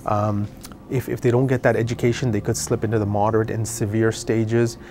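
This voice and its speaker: Low-voiced middle-aged man, halting explanations. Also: level tone, a little mellow, a little hiss or hum. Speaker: respiratory educator. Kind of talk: interview explanation. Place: indoor clinic or pharmacy. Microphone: lapel.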